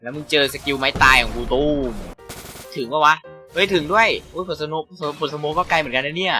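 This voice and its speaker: A young man chatting casually and joking excitedly while playing a game with a friend, swearing freely. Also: fairly high pitch, brisk. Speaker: gaming YouTuber. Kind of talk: casual gameplay chat with a friend. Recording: faint game music behind.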